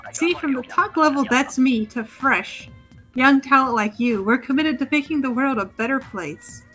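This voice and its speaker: A woman reading the lines of a folksy male bear company boss in her own fairly high voice, giggling as she goes. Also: normal speed, a bit bright, faint music behind, poor audio. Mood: folksy, salesy. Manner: friendly sales-pitch read with giggles.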